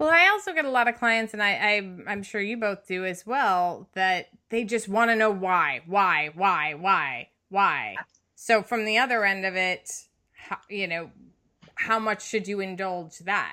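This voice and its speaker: On a very clean recording with a silent background, a woman with an unremarkable speaking voice talks at a fairly slow pace, at medium pitch with ordinary pitch variation. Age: 40s. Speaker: therapist and podcast co-host. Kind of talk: casual chat.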